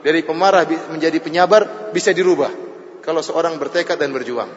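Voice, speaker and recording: A man's voice: a little high, fairly quick. A man preaching an emphatic religious lecture to an audience, often repeating his key points. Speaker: Islamic preacher. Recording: echoey hall, dull lo-fi sound.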